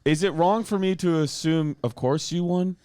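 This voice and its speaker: Male host, bright clear voice, dry close sound, teasing interviewer. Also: on the high side, normal speed, dry recording. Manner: teasing, prompting questions. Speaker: podcast host. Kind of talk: casual comedic chat.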